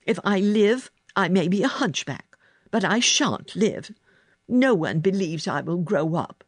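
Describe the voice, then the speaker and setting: Storybook role: spoiled, sickly boy of ten, high-pitched and demanding, played by a woman. Dry, close sound. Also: animated, measured pace, husky, dry recording. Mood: fretful, wary. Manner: cross, demanding, self-pitying.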